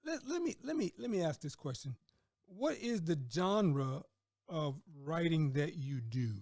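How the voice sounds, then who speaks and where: A man's voice: fairly high pitch, very animated, measured pace, darkish tone, no echo, clean studio sound. A middle-aged man hosting a conversational interview, affirming and repeating words and phrases for emphasis. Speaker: podcast host and business mentor.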